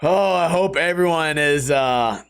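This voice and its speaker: A hoarse young American man talking through a cold, his voice rough and worn thin. He rambles from one topic to the next in loose slang with plenty of swearing, pitched a bit above most men. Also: measured pace, fairly bright tone. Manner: slangy and profane, drifting between topics. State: sick, voice partly lost. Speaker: podcast host. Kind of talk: casual rambling monologue.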